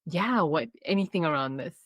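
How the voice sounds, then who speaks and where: A woman hosting a podcast interview, asking unhurried, layered questions with plenty of hedges. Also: deep voice, animated, no echo, studio quality. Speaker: podcast host.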